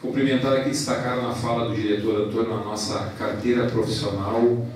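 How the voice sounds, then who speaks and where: A man in his forties, president of a professional council, giving a formal ceremony speech into a handheld mic in a large hall. He speaks in a measured way, listing thanks and points with pauses. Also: mid-range voice, little pitch movement, slight background noise. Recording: echoey hall from a distance.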